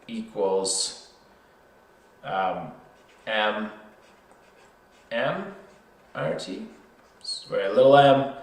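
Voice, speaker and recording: Slow-paced man tutoring, roomy echo. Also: fairly low pitch. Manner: informal, self-correcting, thinking aloud. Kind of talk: worked chemistry problem lesson, explained step by step. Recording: roomy, echoey sound.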